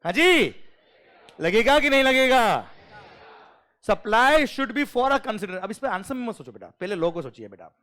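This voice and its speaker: High, lively man teaching. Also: a little slow. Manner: animated storytelling, acts out dialogue, asks students questions. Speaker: GST lecturer. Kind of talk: classroom lecture with acted anecdote. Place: classroom.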